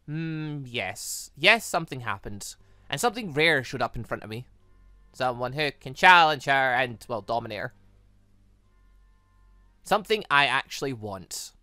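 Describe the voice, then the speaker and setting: Visual novel villainess, read by a let's play host: measured, low-key, possessive and in command, dry close sound. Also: very animated, sharp tone, no room sound, faint music behind. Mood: cool, possessive. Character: coolly possessive, commanding villainess plotting her mission.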